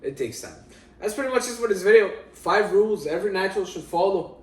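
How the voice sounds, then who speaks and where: A man's voice: high voice, lively intonation, fast talker. A man from Syria in his thirties, giving fitness advice in casual talk to camera and repeating his key points. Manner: emphatic, repeats key points, addresses viewers as guys. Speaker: fitness vlogger. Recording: roomy, distant from the mic.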